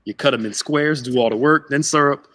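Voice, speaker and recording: A man's voice: medium pitch, a little fast, fairly bright tone. A man in his thirties, a pastor hosting a casual live group chat in a playful, teasing way. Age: 30s. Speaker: host, pastor.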